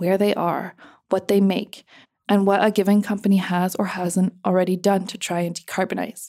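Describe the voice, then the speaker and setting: Speaking at a moderate pace with an American accent, a woman has a dark, mellow tone and medium pitch on a very clean recording with a silent background. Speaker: podcast host, former garment factory manager. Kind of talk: keynote speech. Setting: conference stage with audience.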